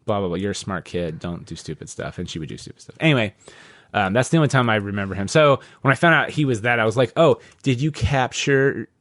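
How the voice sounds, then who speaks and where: A man's voice: fairly low pitch, expressive, quick pace, a bit bright, dry recording. Rambling man on a podcast, dry sound. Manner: rambling, peppered with "like" and swearing. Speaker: podcast host. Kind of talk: casual podcast chat.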